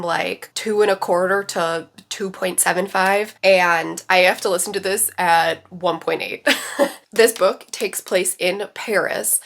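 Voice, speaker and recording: A woman's voice: fairly low pitch, fairly bright tone. Congested chatty woman book vlogger. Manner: chatty, rambling, many "like" fillers. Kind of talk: casual vlog chat.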